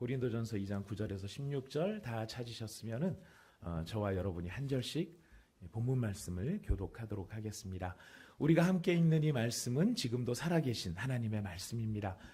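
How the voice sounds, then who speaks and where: Lively intonation from a man with a medium-pitched, somewhat breathy voice, dark and mellow in tone, at a moderate pace with audible room echo. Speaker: pastor. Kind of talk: sermon. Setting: church. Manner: halting.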